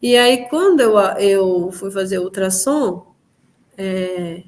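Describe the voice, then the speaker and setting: Speaking slowly in a mid-range voice, a woman shares her personal spiritual testimony in an interview. She's animated, acting out the remembered dialogue and frequently using tag questions.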